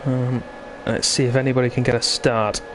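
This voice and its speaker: Male sim racing host, mid-pitched, conversational live commentary with banter, some background noise. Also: level tone, brisk.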